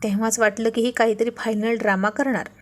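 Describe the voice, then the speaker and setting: A woman's voice: a little high, level tone, brisk, natural voice. A woman voicing a clever, affectionate young wife who speaks with confidence in a read-aloud love story. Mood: knowing. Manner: confident, teasing. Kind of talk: storybook reading.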